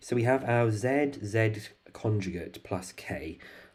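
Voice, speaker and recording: A man is speaking. He has an English accent. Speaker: maths tutor. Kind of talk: livestream tutorial. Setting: livestream.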